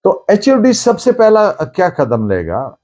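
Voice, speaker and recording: A man with a Pakistani accent giving a lecture in a deliberate, emphatic, didactic way, mixing in English phrases. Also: sits high, huge pitch swings, a little mellow. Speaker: law lecturer. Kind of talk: lecture on evidence law, dictating citations.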